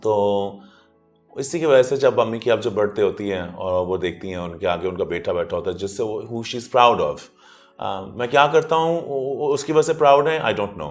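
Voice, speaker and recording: A man's medium-pitched voice carries lively intonation at a moderate pace. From US, New York. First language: English (speaking Hindi). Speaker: fashion designer. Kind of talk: interview. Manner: code-switching Urdu and English, with many fillers.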